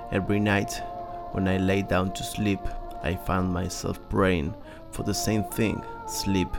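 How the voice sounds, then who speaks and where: A man's voice: low voice, creaky. A man reading a scripted horror story as a dramatic narrator. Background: music.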